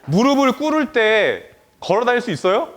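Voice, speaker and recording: Lively, animated male pastor preaching. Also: extremely high pitch, moderate pace. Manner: animated, many rhetorical questions, addresses listeners directly; trails off softly at phrase ends. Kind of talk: children's sermon.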